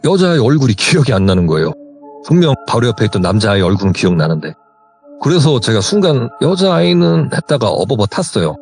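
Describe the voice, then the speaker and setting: A man's voice: medium pitch, quick pace, creaky, soft background music. A man recounting his own true ghost story as a guest, acting out the dialogue he quotes. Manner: animated, acts out quoted dialogue.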